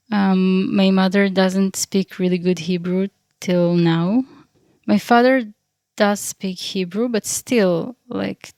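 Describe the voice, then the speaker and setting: Slow, hesitant woman from Ukraine. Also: mid-range voice, a little mellow, dry recording, clean studio sound. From Ukraine, raised in Israel. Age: 30s. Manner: thoughtful, hesitant, searching for words. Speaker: guest. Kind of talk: casual interview.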